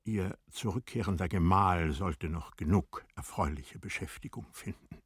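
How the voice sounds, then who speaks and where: A male narrator tells a classic literary story in a formal, measured way. His voice is low and husky, recorded close and dry. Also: no echo.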